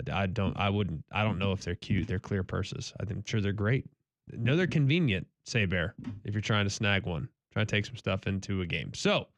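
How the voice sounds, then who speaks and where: A man co-hosts a morning sports radio show in an easy, self-deprecating way, reading ad copy and then poking fun at it. His voice is mid-pitched and sits right on a dry studio mic. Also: dry recording. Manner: self-deprecating, laughing banter. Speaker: radio co-host. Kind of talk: sports radio talk and live ad read. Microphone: studio microphone.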